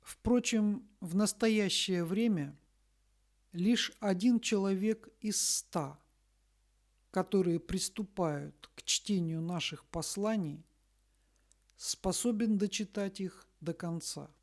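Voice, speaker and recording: A woman reads a scripted spiritual message in a solemn, deliberate manner, pausing between short phrases. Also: medium pitch, darkish tone. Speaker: spiritual messenger reading a message.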